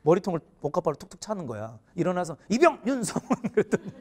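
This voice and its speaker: A man in his forties, a teacher, telling a funny story in an animated way and often laughing mid-sentence. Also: a little high, racing, husky. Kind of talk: humorous storytelling lecture.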